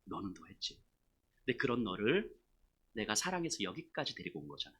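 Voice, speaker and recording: A deep, hushed divine voice, low and tender, gently chiding with love, as a preacher puts it on. It speaks softly and unhurried, well below the preacher's own bright tone. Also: male voice, sing-song, husky, heavily acted. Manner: soft, tender, gently reproachful. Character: gentle loving God, deep and quiet, male.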